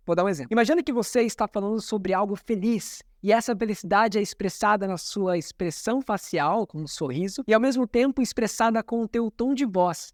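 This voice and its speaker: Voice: mid-range voice, darkish tone, no room sound, studio quality. Methodical communication coach. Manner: didactic, methodical, repeats key terms. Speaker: communication coach analyzing a talk. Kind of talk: explanatory video commentary.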